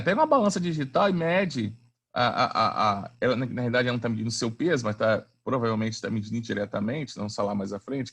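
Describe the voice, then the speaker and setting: Man, physics teacher, animated pitch, husky, slangy, quizzes students. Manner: lively, chatty, slangy, asks students questions. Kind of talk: online class lecture.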